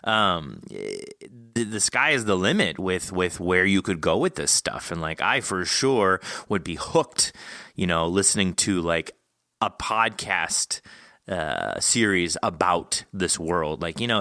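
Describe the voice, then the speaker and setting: A man's voice: low voice, big pitch swings, unhurried, gravelly, pushed and bright, no echo, studio quality. A man hosting a podcast, chatting casually with a guest in an enthusiastic, informal way. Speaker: podcast host interviewing an author. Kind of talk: casual interview chat.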